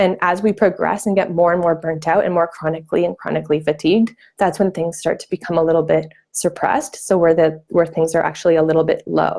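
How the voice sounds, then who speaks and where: Talking at a very fast pace, a woman with a dark, mellow tone and vocal fry keeps her intonation fairly even. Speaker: nutritionist. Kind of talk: live stream talk. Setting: live stream on social media.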